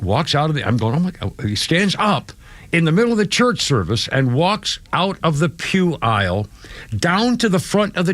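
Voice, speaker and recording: A man's voice: a little high, a bit bright, dry recording. A man in his seventies from New England, hosting a talk radio show and telling a long story in a rambling, exclamatory way, breaking off and restarting often. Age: 70s. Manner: rambling, self-interrupting, exclamatory. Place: radio studio. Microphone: studio microphone.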